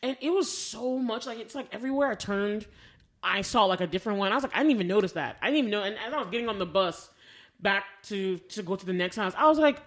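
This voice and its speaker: A woman's voice: medium pitch, expressive, fast talker. An American woman co-hosting a podcast, telling stories casually in a chatty, enthusiastic and emphatic way. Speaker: podcast co-host. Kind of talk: casual chat, storytelling.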